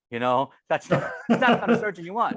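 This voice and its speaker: The dry, close sound has no echo as a man speaks at a fairly quick pace. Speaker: mindset coach and martial arts instructor; professional speaker. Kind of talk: podcast interview answer.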